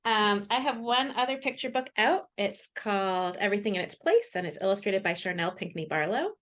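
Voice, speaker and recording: Woman author on a video call interview, medium pitch, chatty n enthusiastic, leans on words for emphasis. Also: lively intonation, brisk, fairly bright tone. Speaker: children's book author and guest. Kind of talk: casual video interview chat.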